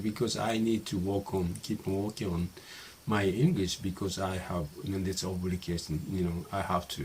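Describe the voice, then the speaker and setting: A Japanese YouTuber in his fifties chats casually to the camera in a lowish voice, with slight background noise behind him. A native Japanese speaker with a Japanese accent, he sounds hesitant, full of fillers and restarts.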